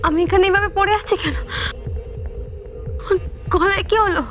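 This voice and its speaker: খুব চড়া গলার দিশেহারা নারী. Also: female voice, very high-pitched, steady tone, moderate pace, fairly bright tone, soft background music. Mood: bewildered distress. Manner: plaintive, questioning. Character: bewildered, fretful woman, distressed. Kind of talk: television serial melodrama.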